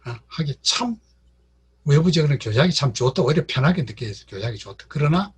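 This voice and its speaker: A man gives a literature lecture in a classroom, his voice rough and husky at a middle pitch. He repeats key words again and again and addresses the people in the room directly.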